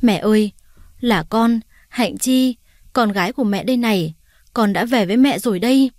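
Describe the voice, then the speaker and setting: A woman's voice: a little high, moderate pace, a little mellow, no echo, clean studio sound, natural voice. A woman voicing a young woman who comes home after years away, speaking emotionally and pleadingly. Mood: tearful. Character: young woman returning home, tearful and remorseful.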